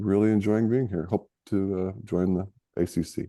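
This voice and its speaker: A man talks at a moderate pace in a fairly low pitch. His tone is dark and mellow, against a quiet background. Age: 60s. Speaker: committee applicant, retired IT supervisor. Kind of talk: self-introduction in meeting. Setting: video call. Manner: halting, many fillers.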